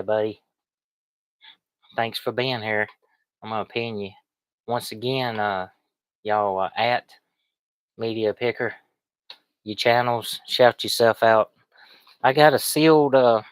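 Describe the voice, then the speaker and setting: A man with a cold, slightly sniffly, chats in a folksy, rambling way to viewers. His voice sits fairly low. The sound is close and dry. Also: dry recording, low-quality recording. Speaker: online reseller streaming. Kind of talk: casual livestream chat.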